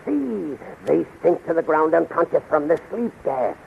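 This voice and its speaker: A man playing an obsequious henchman of a queen, gravelly and formally declamatory, in a 1930s radio serial. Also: a little high, big pitch swings, unhurried, phone-quality sound, heavily acted. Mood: deferential. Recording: thin, noisy 1930s radio recording.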